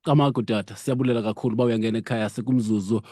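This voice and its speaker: A man's voice: medium pitch, steady tone, very fast, mellow, dry recording, studio quality. A South African man with a Xhosa accent, hosting a radio talk show. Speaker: radio host.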